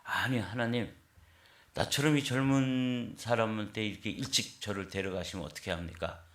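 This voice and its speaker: A man's voice: fairly low pitch, normal speed, a bit bright, lightly acted. A man voicing an indignant man who pleads and protests in a sermon anecdote, recorded in an echoey church. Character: young man, indignant, complaining.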